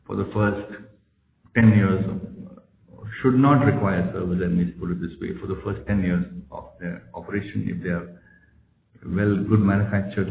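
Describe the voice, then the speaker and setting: A man answering questions as a company executive on an earnings call, blunt and emphatic, often repeating phrases. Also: sits low. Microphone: conference call phone. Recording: roomy, noisy, muffled conference phone line.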